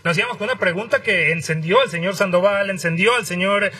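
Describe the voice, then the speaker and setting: A man's voice: high-pitched, fast talker, sharp tone, husky, recorded from a distance. A man hosting a live sports talk show, slightly off the microphone. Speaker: sports radio host.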